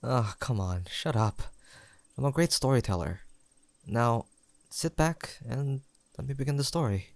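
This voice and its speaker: A young man playing a sentimental, teasing longtime best friend in an intimate audio roleplay, pausing for an unheard listener. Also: medium pitch, expressive, gravelly, no echo. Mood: playful teasing. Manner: soft-hearted, playful banter with pauses for an unheard listener.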